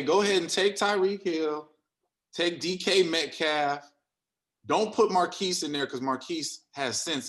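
A man with an average-pitched voice delivers opinionated sports talk. He is blunt and exasperated, building his case in short, punchy, emphatic phrases. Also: a bit bright. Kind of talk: opinionated casual commentary.

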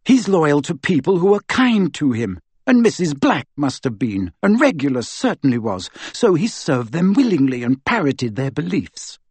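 A man's voice: on the high side, very animated, normal speed, few pauses, darkish tone, slightly rough, no echo, pitched above the performer's own voice. A man voicing an earnest, clever teenage girl witch who insists on her point, in a raised voice. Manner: insistent, lecturing.

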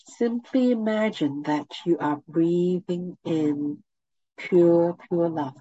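A woman with a head cold and a nasal voice, leading a guided meditation with gentle, soothing instructions. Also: lowish voice, slow, no echo, muffled recording.

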